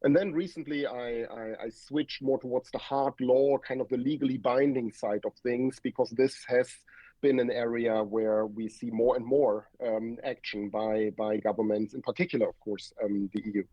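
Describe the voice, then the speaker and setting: Male academic guest, German accent and native German, husky voice, measured explainer delivery, lo-fi dry remote line. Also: medium pitch, steady tone, dark tone, no room sound. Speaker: guest academic expert, professor. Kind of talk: explanatory interview talk. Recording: dull, lo-fi remote connection.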